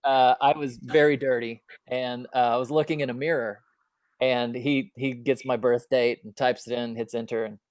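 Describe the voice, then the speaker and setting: A man telling a personal story as a guest speaker at an online talk, halting with many fillers and restarts, over a video call. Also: medium pitch, steady tone, a little mellow, dry recording.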